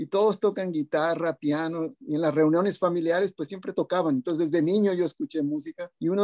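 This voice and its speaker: Dark and mellow in tone, the voice moves at a fairly quick pace with ordinary pitch variation and a dry, close sound with no echo. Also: man. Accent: northern Mexican. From Mexico, Sinaloa (Culiacán). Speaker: concert pianist. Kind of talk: interview. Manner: halting, frequent repetitions.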